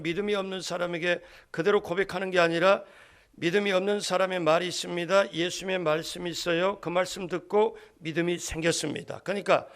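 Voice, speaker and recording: A man's voice: sits high, vocal fry. A male pastor preaching a dawn prayer sermon, asking the congregation questions and acting out the lines of Bible figures in changing tones.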